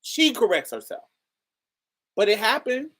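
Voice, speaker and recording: A woman with a particularly deep voice, hosting a casual commentary and talking straight to her viewers in an emphatic, chatty way. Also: big pitch swings, measured pace, a bit bright. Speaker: host.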